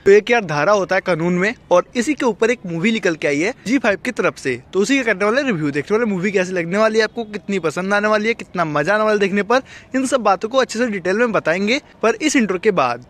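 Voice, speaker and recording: Fast-talking, high-voiced young man reviewing films. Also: expressive, fairly bright tone. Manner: chatty, constantly says "yaar" and "bhai". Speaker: movie reviewer. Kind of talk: casual video review.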